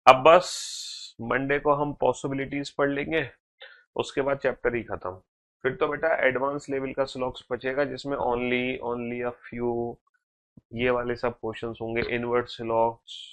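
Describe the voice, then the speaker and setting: A man's voice: medium pitch, fairly bright tone. A male teacher, giving a chatty lecture on reasoning puzzles, teasing his students and repeating key phrases.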